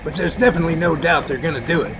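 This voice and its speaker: A man's voice: on the high side, very fast, noisy background, close to an everyday voice. A man playing a chatty, folksy professor who explains things at length in an amateur radio drama. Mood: explaining.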